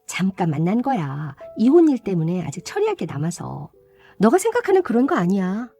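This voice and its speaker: A woman's voice: medium pitch, wildly swooping pitch, brisk, gravelly, mellow, faint music behind. A woman voicing a cheating young bride-to-be who whines and makes excuses, in radio drama style. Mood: defensive. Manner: whiny, making excuses.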